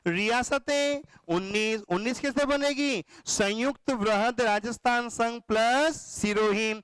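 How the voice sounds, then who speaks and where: A man's voice: very high-pitched, slow, fairly bright tone, clear, resonant tone, no echo. A male teacher giving an exam-prep lecture, asking questions and answering them himself in a call-and-response rhythm. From Rajasthan, India. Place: classroom or studio.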